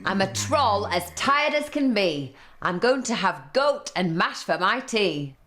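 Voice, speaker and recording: A woman's voice: mid-range voice, sing-song, measured pace, a bit bright, soft background music. A woman voicing a grumpy, tired male troll in a children's storybook, making threats in rhyme. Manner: threatening, rhyming declarations. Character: grumpy, sleep-starved male troll under a bridge.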